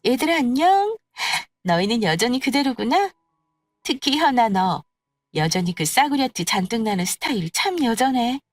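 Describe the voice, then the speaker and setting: A woman voicing a snobbish, sneering young woman in an audio story, talking in a condescending, mocking, drawn-out way. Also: a little high, sing-song, no echo, faint music behind, pitched above the performer's own voice. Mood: haughty. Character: snobbish, sneering young woman who belittles her friends. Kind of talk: acted dialogue in an audio story.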